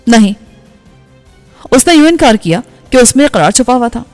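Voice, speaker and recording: A woman storyteller narrating a novel in a steady, even reading voice. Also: a little high. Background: faint background music.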